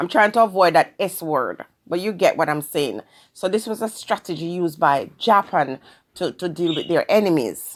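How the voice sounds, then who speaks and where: At a moderate pace, a woman speaks with lively intonation at a fairly low pitch on a very clean recording with a silent background. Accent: Jamaican. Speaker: YouTube commentator. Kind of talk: opinion monologue.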